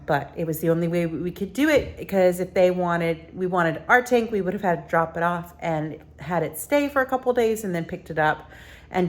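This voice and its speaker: A woman chatting casually in a vlog, rambling with fillers, sometimes stuffy from allergies. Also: on the low side. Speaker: vlogger. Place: theme park, outdoors and at home.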